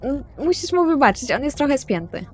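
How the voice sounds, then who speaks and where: A woman playing a composed, teasing female vampire boss in a roleplaying game, coaxing and giving soft orders. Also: high-pitched, big pitch swings, brisk, slight background noise. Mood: conciliatory.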